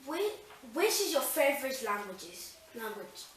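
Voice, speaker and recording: A woman asks short interview questions in a plain, even way, her voice pitched a little high. She sounds set back from the mic, with a heavy room echo and faint noise behind her. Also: a little slow, recorded from a distance. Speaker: interviewer, younger sister.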